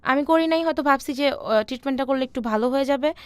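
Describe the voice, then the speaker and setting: Soft-spoken high-voiced woman. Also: quick pace, no echo. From Bangladesh. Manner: soft, hesitant, with many fillers. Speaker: interview guest. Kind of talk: emotional personal storytelling.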